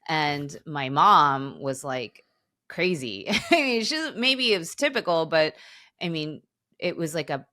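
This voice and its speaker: A woman's voice: deep voice, very animated, takes it slowly, pushed and bright, dry recording, clean studio sound. A woman in her forties with an American accent and Korean as her first language, telling her life story casually as a podcast guest, often chuckling as she talks. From suburbs of Chicago, United States. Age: 40s. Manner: chuckles often while talking. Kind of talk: casual autobiographical interview talk.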